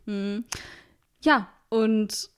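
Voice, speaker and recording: A woman's voice: mid-range voice, fairly even intonation, extremely slow, clean tone. A woman chatting casually in a podcast, laughing often and arguing playfully about word meanings. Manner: giggly, argumentative, teasing. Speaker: podcast co-host. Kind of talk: casual recap chat.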